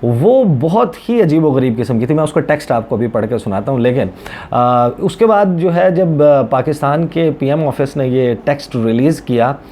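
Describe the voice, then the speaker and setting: Mellow-voiced Pakistani man explaining news. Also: mid-range voice, a little hiss or hum. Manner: explanatory, conversational, Urdu mixed with English words. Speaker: journalist covering foreign policy, presenter. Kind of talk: news commentary addressed to viewers.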